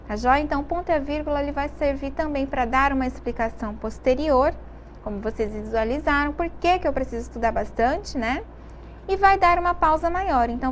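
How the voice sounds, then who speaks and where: A woman's voice: sits high, slight background noise. A Brazilian woman teaching a televised grammar lesson, explaining step by step and often checking that students follow. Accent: Brazilian Portuguese. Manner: explains slowly, with many check-in questions.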